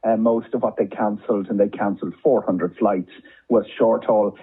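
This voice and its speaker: A man's voice: fairly low pitch, steady tone, normal speed, breathy edge, phone-quality sound. A man with an Irish accent, a travel journalist giving conversational, discursive commentary as a guest, often repeating words for emphasis.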